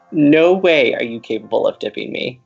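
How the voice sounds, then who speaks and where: An actor playing an earnest, smitten young man who co-hosts college radio, speaking in a halting, tender, teasing way in an audio romantic comedy. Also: on the high side, vocal fry, slightly rough, muffled recording, heavily acted. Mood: playful, smitten. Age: young adult.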